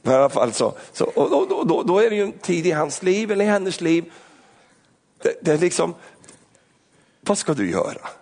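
Male preacher, animated sermon, acts out scenes, raised gravelly voice. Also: high voice, long pauses. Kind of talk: lively sermon.

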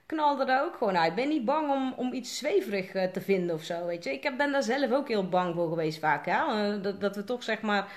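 A woman's voice: medium pitch, animated, brisk, hardly any pauses. A woman with a Dutch accent, a coach, chatting casually and rambling on a live video, with lots of fillers.

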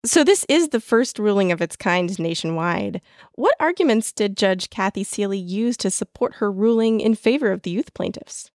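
A woman's voice: mid-range voice, moderate pace, no echo, studio quality. Woman co-hosting a radio news show. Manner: clear, even newsreader delivery. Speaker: radio news magazine co-host. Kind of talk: scripted narration and interviewing.

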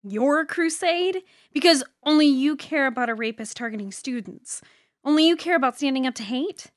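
Actress doing jaded young woman, high voice, blunt n sardonic, kinda wounded, dry radio play sound. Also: normal speed, no echo, natural voice. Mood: hurt, challenging. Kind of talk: audio drama acting.

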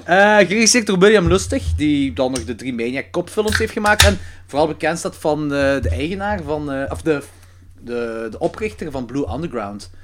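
A man hosting a laid-back horror film podcast. His voice sits a little high and swings widely in pitch as he tells stories with obvious enthusiasm. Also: normal speed, slight background noise. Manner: animated, enthusiastic storyteller. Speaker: podcast host. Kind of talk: casual chat about horror films.

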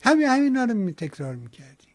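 A man's voice: very high voice, very animated, darkish tone, dry recording, clean studio sound. A man hosting a call-in show, scolding and lecturing a caller in a heated debate. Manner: lectures and scolds, dramatic chanting asides.

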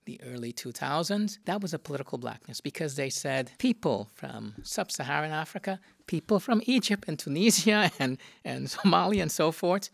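A man with a gravelly edge to his voice explains a concept at length, leaning into key words and acting out quotations. His voice is rough with fry, and the recording is dry and close. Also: on the high side, dry recording. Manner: lecturing, emphatic, with quoted asides. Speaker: interviewee. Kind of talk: academic conversation.

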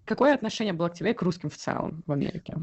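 A woman hosting a podcast, asking brisk follow-up questions in a casual interview. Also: fairly low pitch, animated, noisy background. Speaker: podcast host.

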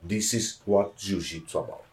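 A man's voice: sits low, normal speed, a little mellow, far from the mic. A middle-aged Brazilian man, a jiu-jitsu black belt, telling stories in emphatic, broken English with a heavy Brazilian accent. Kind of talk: casual interview.

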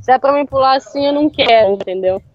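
A woman telling a story in casual chat, animated and often laughing. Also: sits high, fast talker, no room sound, highs cut off. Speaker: interview guest.

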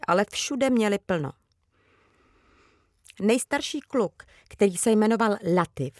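A woman reading a children's book aloud with calm, even storytelling. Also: mid-range voice, dry recording, studio quality. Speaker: reader.

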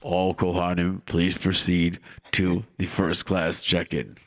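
Low, officious airport announcer played by a man. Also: level tone, slow. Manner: formal, mock-official announcing. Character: officious male airline check-in announcer sorting passengers.

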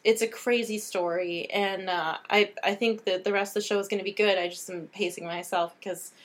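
A woman's voice: mid-range voice, fairly even intonation, a little fast. A young woman co-hosting a casual chat, earnest and enthusiastic as she recommends things. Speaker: podcast co-host.

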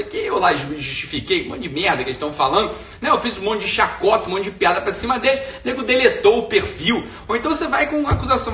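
Far from the mic in an echoey room, a man with a high-pitched, sharp voice and a Brazilian Portuguese accent talks casually on a home live stream. He rambles in slang, regularly capping his sentences with "né."

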